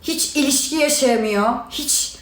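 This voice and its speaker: A young woman with a high voice rants heatedly into a phone livestream, sarcastic and scolding as she talks straight to her viewers. Her voice echoes around a bare room. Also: measured pace, fairly bright tone. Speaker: reality show contestant answering critics. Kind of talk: angry livestream rant.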